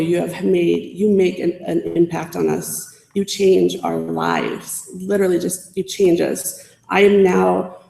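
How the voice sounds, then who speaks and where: A woman speaks at a podium in a big civic hall, with a very gravelly, fry-heavy voice and a dark tone. She is earnest and halting, full of fillers and restarts. The room is echoey, and a long reverb trails after her words. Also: lowish voice. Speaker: student leader giving a speech. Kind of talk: public speech to college faculty.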